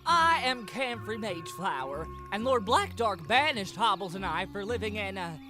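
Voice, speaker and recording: An actor playing a flamboyant, melodramatic, effete wizard with a theatrical, swooning manner in a comic fantasy game. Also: male voice, high-pitched, big pitch swings, normal speed, over music. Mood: fussy, dramatic. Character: flamboyant, melodramatic, effete male wizard mourning his stolen familiar.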